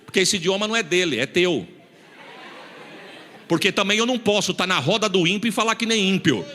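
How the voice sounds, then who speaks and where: Male São pastor, rapid and bright, lively story sermon, echoing hall. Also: high-pitched. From São Paulo state, Brazil. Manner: animated, acts out dialogue, rising to emphatic shouts. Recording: reverberant church hall.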